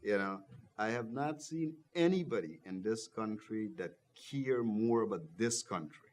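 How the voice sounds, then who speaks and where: This young man from Guyana has a fairly low voice. He answers interview questions in an earnest, heartfelt way and fills his talk with "you know". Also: expressive, unhurried, darkish tone. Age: young adult. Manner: earnest, repeats "you know", grows passionate. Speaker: party coordinator, guest.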